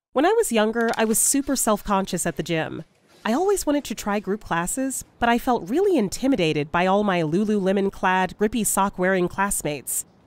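A woman's ordinary speaking voice at medium pitch, fairly quick, with hardly any pauses. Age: 30s. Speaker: personal finance video essayist. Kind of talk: scripted narration.

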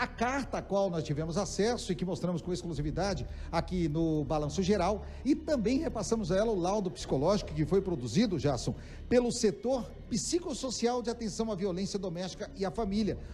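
A man with a high pitch and lively intonation talks at a fairly quick pace over light background noise. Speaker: TV news reporter. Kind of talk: live news report. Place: station. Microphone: handheld.

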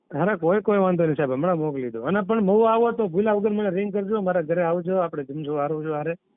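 High pitch from a man, with ordinary variation in the pitch. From Gujarat, Mahuva. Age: 20s. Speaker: caller. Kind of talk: phone conversation. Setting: phone call.

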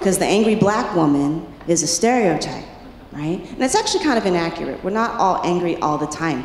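A woman with an American accent and fairly low pitch, fairly quick and lively in intonation, with light background noise and audible room echo. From New York City. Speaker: stand-up comedian. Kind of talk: stand-up comedy set to a live audience, with jokes and crowd work. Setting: stage with audience. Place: stage. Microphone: handheld.

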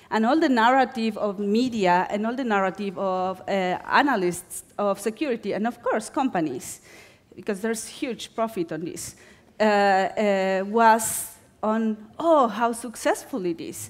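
Her pitch is fairly high and her intonation lively. The woman talks at a fairly slow pace. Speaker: digital rights activist. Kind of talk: panel discussion. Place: stage. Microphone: headset.

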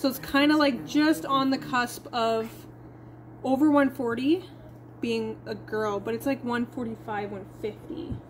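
Light background noise sits under a woman talking at a very slow pace. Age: 30s. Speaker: YouTuber, mother. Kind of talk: casual vlog chat. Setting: at home with family. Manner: animated. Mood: playful, chatty. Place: home room. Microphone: webcam.

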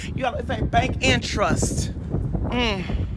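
A man speaks at a very slow pace in a dry sound with no echo, with noticeable background noise behind him. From US. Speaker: livestreamer giving a testimony. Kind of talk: testimony. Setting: outdoors. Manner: loud, animated. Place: street. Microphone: phone near.

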